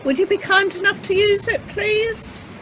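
A woman's voice: extremely high pitch, steady tone, measured pace, fairly bright tone. A woman playing a cheeky, officious manservant in an audio pantomime, with a dry, mock-formal manner. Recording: faintly noisy video-call recording.

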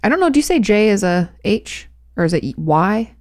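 A woman's voice: medium pitch, very animated, normal speed, darkish tone, dry recording. A woman in her thirties co-hosting a podcast in a small home studio, chatting casually and telling stories with restarts. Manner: chatty storytelling, trailing restarts. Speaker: podcast co-host. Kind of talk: casual chat. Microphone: studio mic on boom arm, headphones.

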